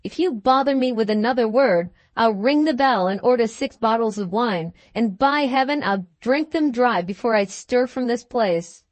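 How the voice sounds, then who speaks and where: A woman's voice: fairly high pitch, animated, normal speed, no echo, close to an everyday voice. A woman voicing a peevish, self-pitying husband. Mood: irritable. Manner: sulky, complaining, sarcastic.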